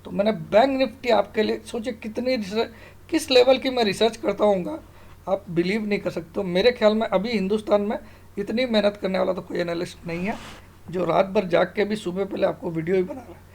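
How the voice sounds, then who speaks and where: A man's voice: high-pitched, a little fast, creaky, a little mellow. A middle-aged man explaining informally like an online tutor, self-assured and emphatic, often putting questions to the listener and checking they follow. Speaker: stock market analyst and online tutor. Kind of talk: informal screen-tutorial explanation of trading charts.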